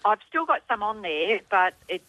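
A woman's voice: medium pitch, very animated, moderate pace, fairly bright tone, dry recording, muffled recording. A woman calling a radio show, asking questions in a polite, casual way. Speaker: radio phone-in caller. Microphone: telephone.

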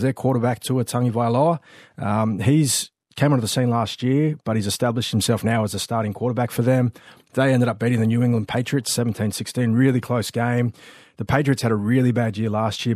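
A man's voice: medium pitch, darkish tone, no echo, clean studio sound. A man co-hosting a podcast, chatting loosely about sports and interviewing a guest. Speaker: podcast co-host. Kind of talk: casual sports chat and interviewing.

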